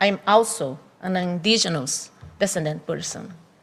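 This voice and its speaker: A woman with a Portuguese accent at a very slow pace, with ordinary pitch variation. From Brazil. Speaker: government official. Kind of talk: conference speech.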